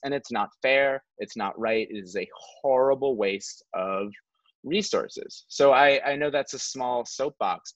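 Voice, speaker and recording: A man in his thirties talking earnestly and haltingly at a roundtable over a video call, hedging as he makes an impassioned point. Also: mid-range voice, fairly bright tone. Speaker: theatre artist, panel guest. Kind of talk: impassioned casual roundtable talk. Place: living room at home, on a video call. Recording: muffled, roomy video-call audio.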